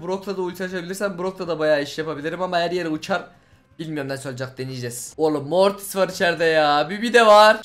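A young man hosting a gaming channel, giving excited gameplay commentary, talking rapidly, repeating phrases and shouting at the game. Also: a little high.

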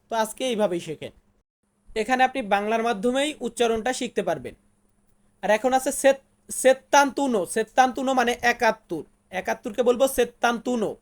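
A woman teaching a language lesson step by step, patient and deliberate, saying each new word slowly, repeating it and then explaining it. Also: fairly high pitch. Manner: patient, asks the listener questions.

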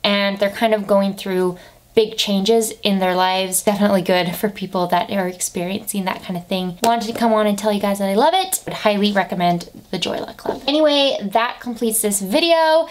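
A woman's voice: medium pitch, moderate pace. A woman of twenty-five chatting casually about her monthly favourites, upbeat and full of "like" fillers, filmed by a camera at her bedroom desk. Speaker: beauty vlogger. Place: bedroom with desk and lamp, indoors.

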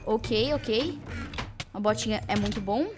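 A young woman, doing excitable, mock-boastful gameplay commentary. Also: medium pitch, slow pace, music in the background. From Brazil. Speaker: gaming channel host. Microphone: desktop studio microphone.

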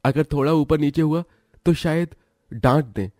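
A man voicing a gentle, reassuring young husband in an animated family drama, with an Indian accent. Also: a little high, normal speed, no echo, studio quality, lightly acted.

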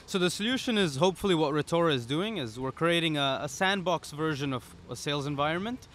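A man's voice: on the high side, lively intonation, fast talker, a bit bright. A man in his twenties from the United Arab Emirates, explaining things casually as a podcast interview guest. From United Arab Emirates, born in Serbia. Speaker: interview guest, startup founder. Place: outdoor pop-up podcast booth at a conference. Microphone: boom-arm podcast microphone. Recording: outdoor event ambience behind voice. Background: outdoor conference ambience.

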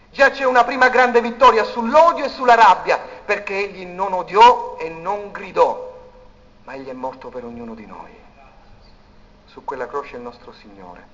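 Man, sermon, high voice, loud declaiming and hushed asides, muffled lo-fi sound. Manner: swings between loud declaiming and hushed, intimate speech. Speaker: preacher. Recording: dull recording in a reverberant hall.

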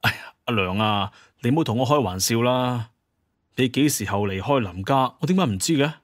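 A man's voice: medium pitch, lively intonation, moderate pace, no room sound, clean studio sound, lightly acted. A man voicing an exasperated, placating grown son, a young hunter chief, in an audio drama, with pleading exclamations.

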